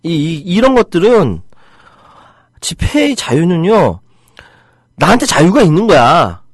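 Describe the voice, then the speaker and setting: A middle-aged man hosts a live internet talk show, swinging between indignant rants and light joking with his listeners. His pitch rises and falls a great deal as he talks. The sound is close and dry, with no room to it. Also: very animated, measured pace, no room sound. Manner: heated, indignant outbursts about rights; chatty, jokey with commenters. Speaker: internet radio host reading listener comments.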